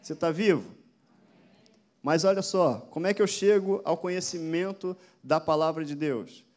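A pastor preaches a sermon to an online audience through a camera, his voice slightly raised, on the high side, and a little mellow at a moderate pace. He fires rhetorical questions at his listeners and hammers his points home with rising emphasis.

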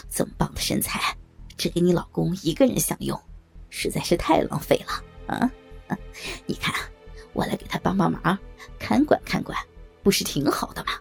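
A woman's voice: on the low side, expressive, moderate pace, gravelly, slightly rough, faint music behind, pitched below the performer's own voice, full character voice. A woman voicing a sly, leering old man who gloats and chuckles mockingly. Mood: gloating, sly.

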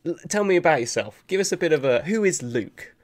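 A man's voice: a little high, lively intonation, fairly quick. A man with a southern English accent hosting a casual chat in an informal, matey way, often chipping in. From Buckinghamshire, England. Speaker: podcast host.

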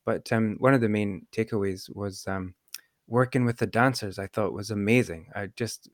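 A man's voice: fairly low pitch, moderate pace, no echo, studio quality. A man hosting a podcast, reading the sponsor spot and then telling a long story with many ums and restarts. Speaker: podcast host. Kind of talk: podcast interview and sponsor read.

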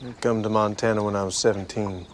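A man's voice: on the low side, fairly even intonation, fast, slight background noise, natural voice. An actor playing a stern, rule-bound frontier hardware man with curt, clipped answers. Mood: guarded. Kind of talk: TV drama acting.

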